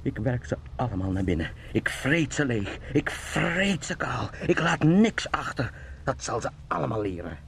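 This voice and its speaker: A man's voice: medium pitch, sing-song, moderate pace, vocal fry, a little hiss or hum. An actor playing an anguished, obsessive young man turned into a giant beetle, pleading and brooding in an intimate radio drama. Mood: ravenous, vengeful.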